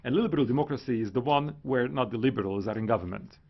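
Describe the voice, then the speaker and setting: A man's voice: medium pitch, a little hiss or hum. Man, English, insistent debate reply, muffled sound. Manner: defensive, insistent, slightly halting. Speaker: Hungarian government representative. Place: parliament chamber.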